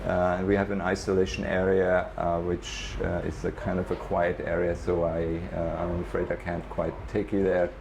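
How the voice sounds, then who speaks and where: A man's voice: deep voice, little pitch movement, moderate pace, creaky, hardly any pauses. A man guiding visitors around an animal rescue center, explaining hesitantly with many fillers. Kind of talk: walking tour explanation. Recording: noisy outdoor recording with barking dogs.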